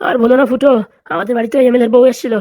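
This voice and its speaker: A performer voices an anxious older male tutor in a comedy cartoon, fretting and grumbling through comic dialogue. The delivery is rapid-fire and mellow in a mid-range voice, natural-sounding with no echo.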